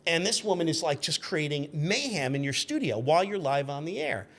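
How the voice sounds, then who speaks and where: A man in his fifties telling anecdotes in an animated, chatty way as a podcast guest. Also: fairly high pitch, brisk. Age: 50s. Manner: chatty, acts out quoted shouts. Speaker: podcast guest, magazine editor.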